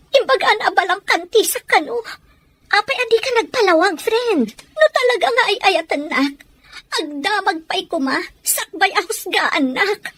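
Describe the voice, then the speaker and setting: A woman playing an emotional young woman in love in a serial drama, with drawn-out, expressive delivery. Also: extremely high pitch, dry recording, full character voice. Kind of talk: Ilocano serial drama acting.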